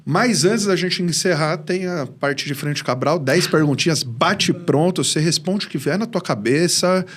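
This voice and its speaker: A man's voice: fairly high pitch, normal speed. A man hosting a casual interview, joking and laughing often. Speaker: podcast host.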